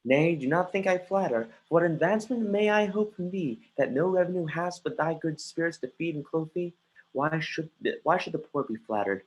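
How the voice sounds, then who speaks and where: An actor playing an earnest, brooding young prince in a Shakespeare stage reading, with a husky voice and halting delivery. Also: male voice, a little high, lively intonation, poor audio. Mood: earnest confiding. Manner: halting, restarts phrases mid-line. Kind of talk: dramatic reading of Shakespeare, often stumbling. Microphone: home computer mic on a livestream.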